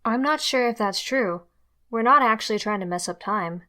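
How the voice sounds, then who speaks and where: A woman's voice: on the high side, moderate pace, sharp tone. A woman playing an easygoing, unsure companion in an audio drama, casual and tentative. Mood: puzzled, easygoing.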